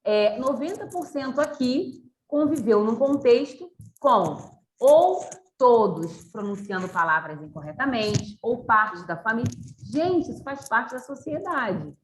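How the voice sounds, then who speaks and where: A woman's voice: a little high, big pitch swings, a little slow. A woman teacher leading an online class discussion in a chatty, encouraging way, with many fillers. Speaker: university teacher. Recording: echoey room with faint noise.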